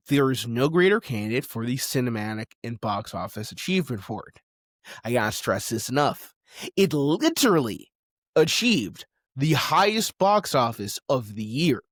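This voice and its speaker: A man's voice: mid-range voice, no room sound, studio quality. Emphatic man giving opinionated video commentary. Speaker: video essayist.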